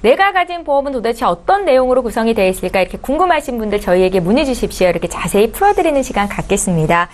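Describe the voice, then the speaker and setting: A woman's voice: fairly high pitch, racing, hardly any pauses. A woman hosting an insurance advice broadcast, speaking in a polite, formal presenter's manner. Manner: polite, formal, lively delivery. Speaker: show host.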